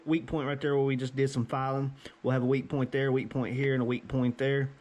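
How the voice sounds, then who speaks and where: A man's voice: mid-range voice, a little mellow. A man, chatting to viewers in a folksy way while he works at his jewelry bench. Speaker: jewelry maker. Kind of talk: casual workshop narration.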